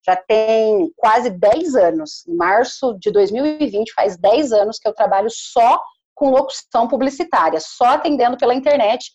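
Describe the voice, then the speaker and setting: A woman's voice: a little high, moderate pace, a little mellow, dull audio. A woman from Paraná with a caipira country accent, chatting and explaining emphatically in a casual interview. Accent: caipira country accent of northern Paraná. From Paraná, Brazil. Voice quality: good clear diction. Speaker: commercial voice-over artist.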